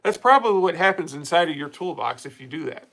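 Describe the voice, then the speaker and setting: A man's voice: on the high side, animated, fast, a bit bright, low-quality recording. A man in his late thirties hosting a casual livestream, talking candidly and rambling with frequent restarts as he answers viewer comments. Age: 30s. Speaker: livestream host.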